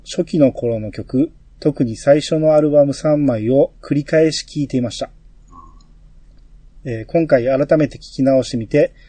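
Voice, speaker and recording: A man hosts a chatty podcast and reads listener mail aloud. His voice is mellow and slightly husky. The room sound is dry and close. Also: medium pitch, no room sound. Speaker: podcast host. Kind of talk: casual chat, reading listener mail.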